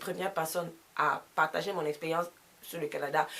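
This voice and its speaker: A woman talks over noticeable background noise. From Cameroon. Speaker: YouTuber. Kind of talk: casual vlog talk. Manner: hesitant, many fillers.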